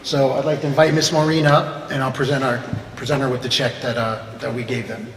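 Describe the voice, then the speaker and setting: A man with a mid-pitched voice reads a formal introduction for a club speaker. The sound is very echoey, with some noise in the hall. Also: level tone, brisk. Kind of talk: reading a biographical introduction. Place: large echoey meeting room.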